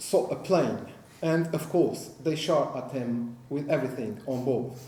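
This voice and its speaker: Speaking at a fairly slow pace in a fairly high pitch with ordinary pitch variation, a man is heard with audible room echo. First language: Portuguese. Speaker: underwater archaeologist and wreck diver. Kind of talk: conference presentation. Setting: conference stage with audience. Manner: halting, many filler sounds.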